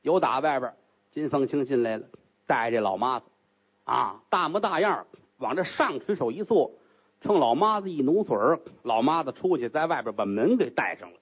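A man telling a traditional comic story in a lively, animated way. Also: medium pitch, moderate pace, breathy edge, lo-fi sound.

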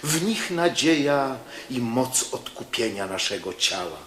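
An actor playing a devout Christian missionary in a radio drama, solemn and lofty as if sermonizing. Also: male voice, medium pitch, sing-song, a little slow, a bit bright. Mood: exalted. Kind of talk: theatrical radio drama acting. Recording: echoey space with faint ambient noise.

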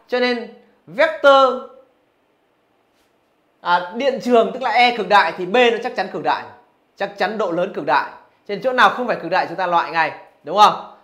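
A man's voice: high voice, bright, forceful tone. A male physics teacher going through exam answers, asking his students rhetorical questions as he explains. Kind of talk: exam review lesson.

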